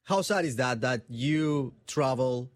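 A man's voice: mid-range voice, takes it slowly, no room sound, clean studio sound. A man from Colombia, co-hosting a talk show and speaking bluntly and emphatically. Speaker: co-host. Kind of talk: casual chat.

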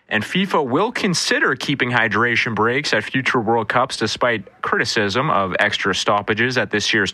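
A man reading scripted radio news and weather in a brisk, even delivery. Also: mid-range voice, no room sound. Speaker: radio newsreader.

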